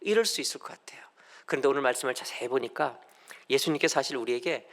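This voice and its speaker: A middle-aged male pastor preaching a sermon in a church, moving between loud urging and soft asides. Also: medium pitch. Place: church sanctuary.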